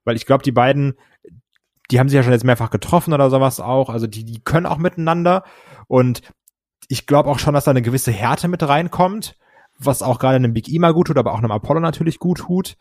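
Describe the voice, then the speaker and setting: A man's voice: mid-range voice, fast talker, darkish tone, dry recording, studio quality. A man co-hosting a casual wrestling podcast, talking hesitantly with many fillers. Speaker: podcast co-host.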